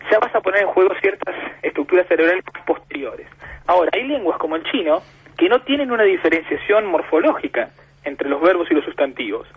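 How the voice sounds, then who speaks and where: Husky Argentine man on a phone line. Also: high-pitched, expressive, a little fast. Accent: Argentine Spanish. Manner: patient, professorial, builds points with examples. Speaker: guest expert. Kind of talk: explanatory radio interview. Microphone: telephone. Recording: muffled phone line on radio.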